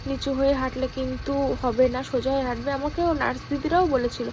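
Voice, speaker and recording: A young woman, a new mother still tired and recovering, talks softly and casually to her viewers at home. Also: high voice, fairly even intonation, brisk. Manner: soft, quiet talking. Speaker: vlogger. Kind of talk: casual vlog talk to viewers. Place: home indoors, fan running. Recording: fan noise behind voice. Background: fan whirring.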